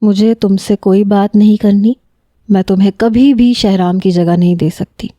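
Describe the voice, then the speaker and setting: A woman's voice: mid-range voice, steady tone, warm tone, no room sound, clean studio sound, lightly acted. A woman voicing a hurt, defiant young woman who speaks sharply and reproachfully in a narrated romance story. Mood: indignant.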